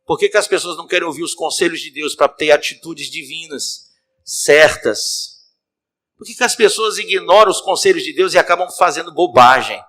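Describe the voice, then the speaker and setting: A man's voice: fairly high pitch, moderate pace. A man preaching in a church, telling a story as a sermon and calling out to the congregation, with a Cearense Brazilian Portuguese accent. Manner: animated, addresses the congregation directly. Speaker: bishop, preacher.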